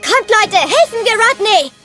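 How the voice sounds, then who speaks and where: An actress playing a feisty, excitable young girl robot in a dubbed animated film. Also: very high-pitched, measured pace, heavily acted. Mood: eager. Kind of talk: German animated film dubbing. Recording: long reverb, music behind the voice.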